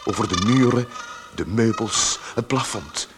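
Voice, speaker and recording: A man's voice: fairly low pitch, measured pace, heavy background noise. A man giving dramatic scripted narration for a radio play.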